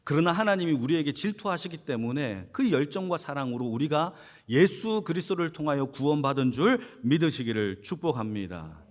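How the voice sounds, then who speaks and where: A man's voice: on the high side, lively intonation, brisk, hardly any pauses. A man preaching a Sunday sermon as senior pastor, asking the congregation questions and answering them himself, and repeating key phrases for emphasis. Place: church sanctuary.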